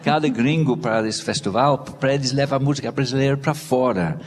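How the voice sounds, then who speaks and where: A British cellist with an English accent, speaking non-native Portuguese haltingly, with many restarts as he searches for words. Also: medium pitch. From Britain. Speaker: cellist and festival organizer. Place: theater stage. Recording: reverberant hall with light noise.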